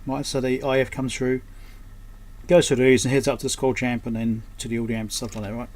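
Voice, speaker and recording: Brisk and a little mellow, the man's mid-range voice shows little pitch movement as he narrates an electronics repair at his bench. He mutters and thinks aloud in a casual, hands-on way, and the recording carries clear background noise.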